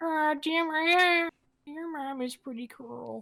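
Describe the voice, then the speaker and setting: The put-on character voice is high-pitched and delivered at a very slow pace. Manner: talking out of one side of the mouth.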